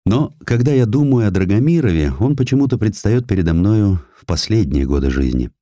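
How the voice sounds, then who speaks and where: A man reading literary historical prose as an expressive audiobook narrator, in a measured storytelling way. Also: fairly low pitch, no room sound, studio quality. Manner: measured, storytelling delivery, acts out quoted dialogue.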